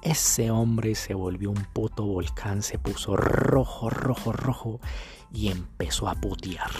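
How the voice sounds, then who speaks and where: A man's voice: fairly low pitch, steady tone, takes it slowly, over loud music. A young man with a Colombian accent telling dating stories in a gossipy, slangy way, repeating phrases for effect. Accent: Colombian Spanish. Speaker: dating coach. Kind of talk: casual storytelling to camera.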